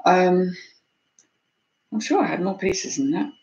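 A woman's voice: lowish voice, a little slow, lo-fi sound, noisy background. A woman chatting casually on a live stream from home, a little out of breath and greeting viewers by name. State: slightly out of breath. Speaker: reseller vlogger. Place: home room by a window.

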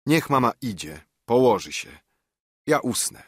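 A man voicing a frightened young working lad who speaks in a halting, earnest way. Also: mid-range voice, very animated, fairly bright tone, husky, no echo, clean studio sound, pitched above the performer's own voice, heavily acted. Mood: pleading.

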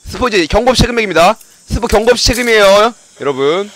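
A man streams a horror game from home and chatters through it in a high, bright voice that bounces all over. He jokes, yells and swears as the action heats up. Faint game music plays under him. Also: fast, no room sound. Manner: excitable, yelling and swearing, jokey. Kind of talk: live gameplay commentary.

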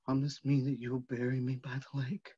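An actor playing a dying, tormented, lonely Phantom with broken, halting delivery in a staged reading over a video call. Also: male voice, medium pitch, flat delivery, mellow, breathy edge, no room sound, close to an everyday voice. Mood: weary, dying. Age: middle-aged. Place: small room indoors, video call. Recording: dull video call audio.

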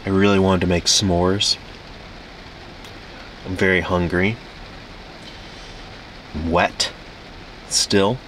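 A man's voice: little pitch movement, slow, pauses often, fairly bright tone, a little hiss or hum, rough recording. A man in his thirties, talking glumly and mocking himself in a casual solo vlog, recorded close up inside a parked car at night. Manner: glum, self-mocking, low-key. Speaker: vlogger. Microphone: camera close by in the car.

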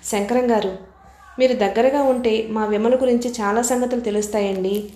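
A gentle, persuasive young woman who keeps trying to calm others down, as the narrator reads her. Her voice is fairly high and mellow, with a roomy echo around it. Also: moderate pace, close to an everyday voice.

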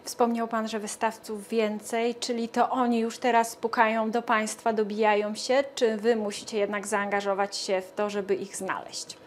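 A woman's voice: fairly high pitch, little pitch movement, normal speed, hardly any pauses, slight background noise. A woman asks questions as a television interviewer in a studio. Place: TV studio, seated at a glass desk.

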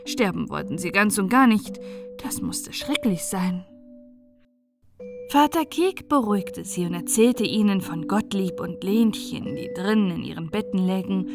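A woman's voice: mid-range voice, lively intonation, a little slow. A woman reading a scripted storybook tale as a narrator, in a bedtime audiobook style. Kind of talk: scripted storybook narration for relaxing and falling asleep. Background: music.

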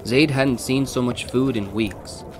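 A man narrating a historical audio drama in a measured, scripted way. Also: mid-range voice, music in the background.

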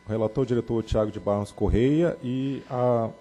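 A Brazilian man chairing a meeting, reading agenda items in a steady official way. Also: medium pitch, normal speed. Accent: Brazilian Portuguese. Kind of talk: formal agenda announcement.

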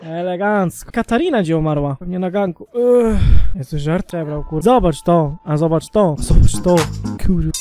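A man streaming games, reacting with constant swearing, laughter and excited shrieks. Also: high voice, normal speed, music in the background. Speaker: gaming streamer. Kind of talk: reactive gameplay commentary.

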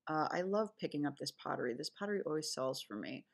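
A woman's voice: low-pitched, animated, fast, gravelly. A woman reseller casually recapping her recent sales over a screen recording, chatty and rambling with fillers and self-corrections. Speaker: online reseller.

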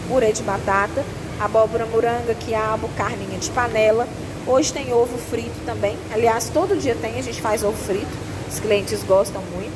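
A Brazilian woman with a fairly high voice talks viewers through a restaurant buffet. She is chatty and instructive and keeps checking in with her audience. The sound comes from a handheld phone, with restaurant ambience clearly audible behind her. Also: moderate pace, background noise. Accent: Brazilian Portuguese. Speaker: restaurant owner's family and cooking channel host. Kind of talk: walkthrough vlog of a buffet. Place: indoor self-service restaurant buffet. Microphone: handheld phone while walking.

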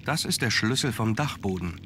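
A determined young nobleman from a mystery adventure game. His voice sits low, and he speaks in measured, formal phrases. There is clear ambient noise behind him. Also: animated, pushed and bright. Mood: pensive, matter-of-fact. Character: determined young aristocratic man investigating his grandfather's death. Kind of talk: scripted adventure game dialogue.

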